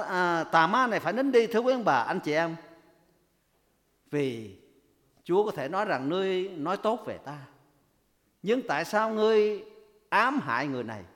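A man's voice: high voice, a bit bright. A man preaching a sermon, asking the congregation rhetorical questions and raising his voice when he quotes. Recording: long hall reverb.

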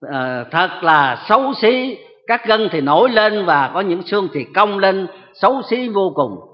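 A man delivers a sermon in a slow, emphatic way, often turning to address his listeners. His voice sits high for a man. The recording carries a long church-hall reverb and a dull, lo-fi tone. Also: sharp tone. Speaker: preacher. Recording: echoey hall, dull lo-fi sound.

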